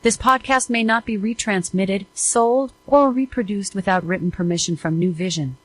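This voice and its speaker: Woman, announcer, medium pitch, formal scripted read. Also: moderate pace, rough recording. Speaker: announcer reading the sponsor credits.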